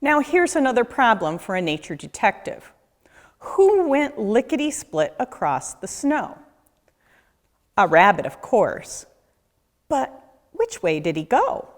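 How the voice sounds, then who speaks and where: A woman reading a children's picture book aloud as a nature educator, with a deliberate, questioning storyteller delivery. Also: on the high side, big pitch swings. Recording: echoey room with long reverb.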